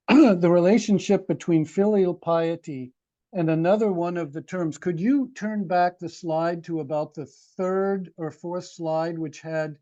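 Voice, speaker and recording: A man asking a long, thoughtful question at a seminar, halting often with ums and uhs. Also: on the high side, warm tone. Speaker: audience member asking a question. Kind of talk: hesitant spoken question at a seminar. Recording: dull lo-fi room recording.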